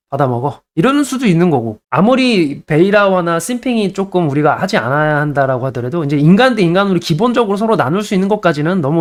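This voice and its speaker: Brief: young male host, brisk chatty dating-advice monologue, slightly raised pitch, acts out bits of dialogue. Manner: chatty, playfully acts out little scenes with dialogue.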